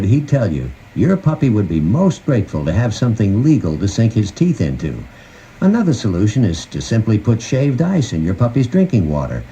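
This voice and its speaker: A man's voice: medium pitch, mellow. A man giving scripted instructional narration in a folksy, conversational manner, recorded on an old cassette tape. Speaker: host of a puppy training guide tape. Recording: noisy 1990 cassette tape transfer.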